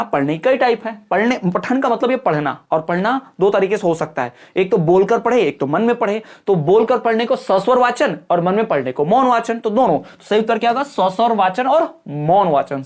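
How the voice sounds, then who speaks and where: A male teacher working through an exam-prep lesson in a relaxed, informal way. He explains each answer patiently, repeats the key terms and keeps checking that his students have understood. He calls his listeners "brother", like a friendly tutor. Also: high voice.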